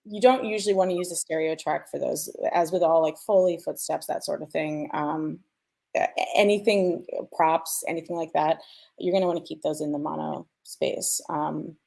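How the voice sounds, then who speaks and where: A woman with a fairly low voice and plenty of vocal fry explains sound design informally. She thinks aloud as she goes, checking that the listener follows. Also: warm tone. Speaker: sound designer, panel speaker.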